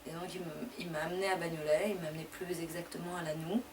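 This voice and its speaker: A young woman, born in France to a Persian-speaking family, answers interview questions in a relaxed, conversational way, often pausing as she speaks. Her voice sits a little low. The mic is some way off, and a clear hum of background noise runs under everything. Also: distant mic. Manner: conversational, loosely paced with frequent pauses. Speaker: deputy mayor interviewee. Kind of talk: interview answers, personal story.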